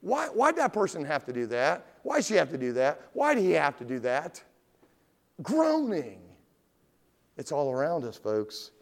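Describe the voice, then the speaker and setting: A middle-aged man preaching an evening sermon in a conversational, animated way, putting question after question to his congregation. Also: fairly high pitch, moderate pace, gravelly, hardly any pauses. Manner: asks the congregation direct questions. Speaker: pastor.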